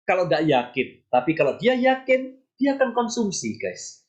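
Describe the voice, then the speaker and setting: A woman's voice: mid-range voice, big pitch swings, normal speed, a little mellow. A woman speaking as a business mentor in a motivational sales training talk, emphatic and chatty, putting rhetorical questions straight to her listeners. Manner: acts out short sample dialogues.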